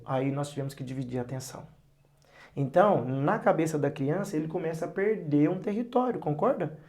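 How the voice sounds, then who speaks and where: On a podcast interview, this guest, who is both a pastor and a psychologist, has a voice pitched somewhat above the typical male range. His animated family anecdotes slip into the voices of parents and kids, while his counsel stays sincere and straightforward.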